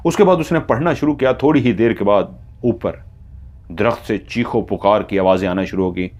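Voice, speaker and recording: Male horror storyteller, lowish voice, dramatic scripted narration. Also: moderate pace, a little mellow, muffled recording.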